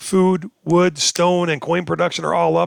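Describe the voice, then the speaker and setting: A man's voice with a dry, close sound and no echo, on a very clean recording with a silent background. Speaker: gaming YouTuber. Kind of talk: gameplay commentary. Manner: casual, talkative.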